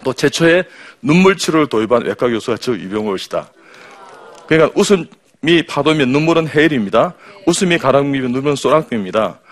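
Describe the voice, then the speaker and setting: A man, a surgeon and professor, gives a lively talk to an audience in an ordinary mid-range voice. He reels off rhythmic word lists, drops jokes and pushes the crowd to react and repeat after him. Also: medium pitch, brisk. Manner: jokey, rhythmic word lists, quotes patients in their voices. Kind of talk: humorous health talk to an audience.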